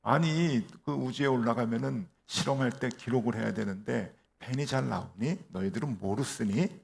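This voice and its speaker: 남자 목사가 설교 중에 남을 얕보듯 묻는 우쭐대는 미국 우주인 남자를 연기한다. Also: male voice, mid-range voice, moderate pace, creaky, close to an everyday voice. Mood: smug. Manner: mocking, condescending questions. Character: boastful male American astronaut, smug and condescending.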